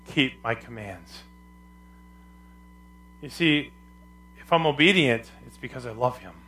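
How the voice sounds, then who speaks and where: A male pastor preaching a sermon with a loud, carrying voice and emphatic, repetitive phrasing. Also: medium pitch.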